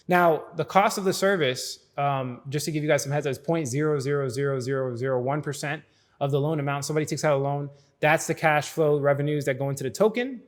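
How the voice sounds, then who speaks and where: A man hosting an explainer video in casual commentary, speaking informally and straight to the viewer with frequent check-in tags. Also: fairly high pitch. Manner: informal, addresses viewers directly, checks in with "right?". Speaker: host of a crypto explainer video.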